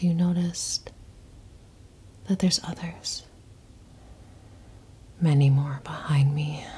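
A woman whispers throughout, her voice airy and breathy with almost no tone behind it. She speaks very slowly and keeps her pitch low and nearly flat. Her sound is soft and dark, suited to a hushed ASMR roleplay. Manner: slow, hushed, intimate whispering. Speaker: audio performer.

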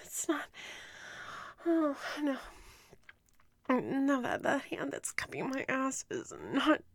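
A woman voicing a proud, resentful young female starship ensign, speaking in a breathy, often whispered voice and stammering as she pleads. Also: sits high, big pitch swings, slow pace, no room sound, exaggerated voice. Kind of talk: audio roleplay acting.

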